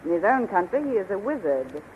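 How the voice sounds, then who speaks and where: A woman's voice: medium pitch, very animated, fairly quick, close to an everyday voice. A muffled, noisy 1930s radio recording of a woman playing a scheming witch queen. She commands grandly, then coos seductively, in theatrical serial style. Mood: commanding.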